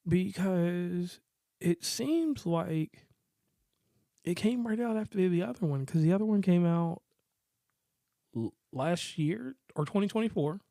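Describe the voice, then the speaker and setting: A man co-hosting a casual movie review podcast, talking in a relaxed, rambling, joking way. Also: sits high, unhurried, vocal fry, long pauses, no room sound, clean studio sound. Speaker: podcast co-host.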